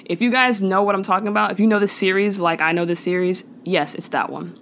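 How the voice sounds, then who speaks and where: A woman's voice: mid-range voice, steady tone, fast talker, fairly bright tone, a little hiss or hum. A woman co-hosting a podcast in casual chat, laughing often and talking in loose slang. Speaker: podcast co-host.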